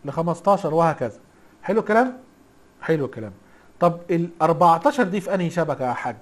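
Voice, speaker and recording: A man's voice: a little high, lively intonation, fast talker. A man with an Egyptian accent teaching a casual recorded lesson, chatty and teasing, constantly quizzing the class with rhetorical questions. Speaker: IT instructor.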